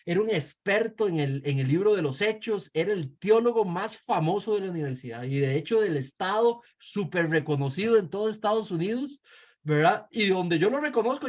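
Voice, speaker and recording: A man's voice: high-pitched, lively intonation, brisk, darkish tone. A middle-aged man with a Costa Rican accent, teaching theology in a conversational lecture full of fillers and tag questions. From Costa Rica. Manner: conversational, frequent fillers and "¿verdad?" tags. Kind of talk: lecture with personal anecdote.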